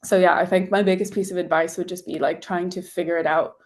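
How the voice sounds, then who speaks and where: A woman's voice: on the low side, fairly even intonation, quick pace. A young adult woman, a singer-songwriter guest, chatting casually in an interview and using lots of "like" fillers. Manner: chatty, heavy use of "like" fillers.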